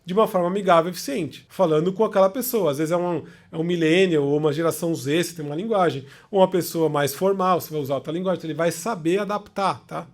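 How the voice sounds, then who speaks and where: A man's voice: fairly high pitch, quick pace, few pauses. A man with a Brazilian Portuguese accent giving an informal explanatory talk as a lecturer, conversational and often checking in with his listeners. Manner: conversational, checks in with short tag questions.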